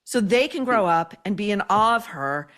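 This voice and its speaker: A woman's voice: medium pitch, lively intonation, moderate pace, fairly bright tone. Sarcastic, swearing female commentator. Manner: sarcastic, profane. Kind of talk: opinionated commentary clip.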